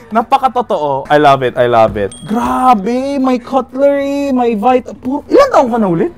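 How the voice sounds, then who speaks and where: A man's voice: very high-pitched, a little slow. A young man hosting a room-tour vlog, teasing and laughing as he pokes around. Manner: teasing, laughs often, excitable. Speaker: vlog host doing room tours. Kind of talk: playful casual room-tour banter.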